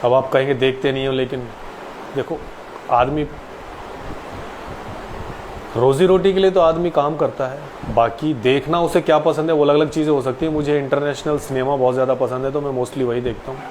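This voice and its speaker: Man, late twenties, casual live chat, polite, average pitch, faint hum behind. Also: steady tone, brisk, darkish tone, rough recording. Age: 20s. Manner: polite, addresses viewers with "ji". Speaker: actor hosting a live Q&A. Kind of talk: casual live-stream chat answering viewers.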